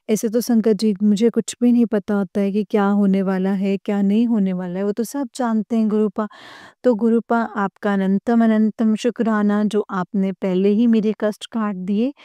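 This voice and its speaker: A woman's voice: medium pitch, mellow, clear, resonant tone, no echo. A woman from Uttarakhand with a slightly sore throat, earnestly recounting a dream to her congregation in a casual, filler-heavy way. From Uttarakhand, India. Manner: earnest, addresses listeners as congregation, many fillers. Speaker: devotee sharing a dream. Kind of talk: casual spoken testimony.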